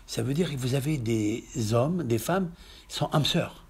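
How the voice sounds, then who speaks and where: A man with a French accent, a rabbi giving a lively Torah lecture to a congregation, swinging from hushed asides to emphatic exclamations and checking whether his listeners follow. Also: medium pitch, unhurried, husky. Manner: asks the audience questions to check understanding. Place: synagogue hall.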